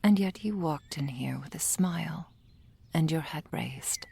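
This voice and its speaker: A woman voicing a gentle female soul healer in an ASMR roleplay, whispering softly and soothingly into a close microphone. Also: deep voice, heavily acted. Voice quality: breathy whisper. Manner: soft whispering, slow and soothing. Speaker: ASMR performer.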